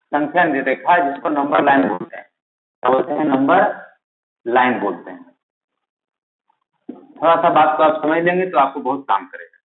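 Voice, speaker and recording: Hindi-speaking man teaching math, tinny echo. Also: a little high. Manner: asks a question then answers it himself, repeating key terms. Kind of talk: classroom-style lecture. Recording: tinny, phone-like, echoey room.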